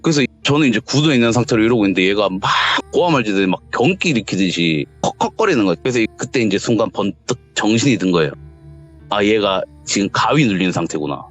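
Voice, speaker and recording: Low-voiced man telling a ghost story. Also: very fast, hardly any pauses, highs cut off, faint music behind. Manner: animated storytelling, acting out quotes. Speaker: caller telling a viewer's story. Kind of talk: telling a true ghost story on a call-in radio show. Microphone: voice call.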